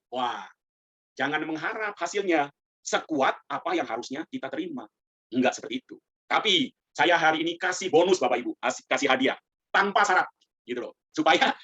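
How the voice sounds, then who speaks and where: A middle-aged man giving a live Buddhist sermon, lively and joking, speaking straight to his listeners. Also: high voice. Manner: lively, joking, addresses audience directly. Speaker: Buddhist preacher. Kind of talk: live dharma talk. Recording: dull lo-fi livestream audio.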